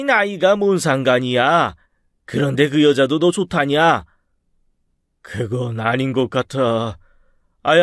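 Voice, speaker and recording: A man's voice: a little high, no room sound, studio quality, close to an everyday voice. A man voicing a boisterous older male farm boss who drawls in a countrified way, in a storybook reading. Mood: coaxing.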